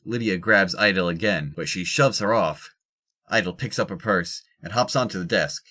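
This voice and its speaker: A man's voice: deep voice, moderate pace, sharp tone. A man reading scripted narration for an audio drama.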